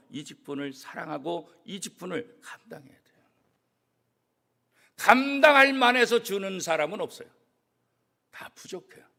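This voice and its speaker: A man, a church pastor, preaching a sermon with strong emphasis, swinging from loud declarations to hushed, almost whispered asides. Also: on the high side. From South Korea. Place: church sanctuary.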